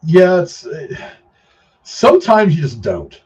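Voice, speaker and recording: A middle-aged man casually giving his opinions in a film discussion, haltingly repeating and rephrasing himself for emphasis. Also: high-pitched, huge pitch swings, slightly rough. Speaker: film review show host. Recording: dull, lo-fi sound.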